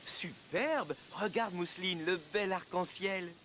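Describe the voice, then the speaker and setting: A man's voice: sits high, takes it slowly, fairly bright tone, a little hiss or hum. An actor playing a patient, cheerful cartoon father who reassures his son. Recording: clear music underneath.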